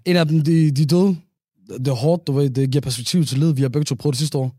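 A man co-hosting a casual podcast chat, talking in a relaxed, halting way. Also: on the high side, no echo, clean studio sound. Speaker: podcast co-host.

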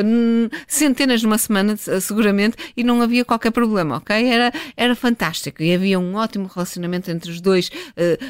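Middle-aged woman, scientist guest, lively anecdotal storyteller, dry close sound. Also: medium pitch, clean tone, dry recording. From northern Portugal. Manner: lively, chatty, with frequent restarts and laughs. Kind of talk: relaxed storytelling in a radio interview.

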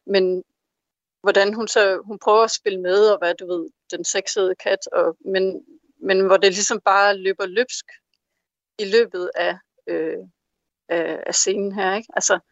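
A woman's voice: mid-range voice, fairly even intonation, dry recording, highs cut off. A woman author in an interview who answers hesitantly with many fillers and reads aloud from her novel. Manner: hesitant with many fillers when speaking freely.

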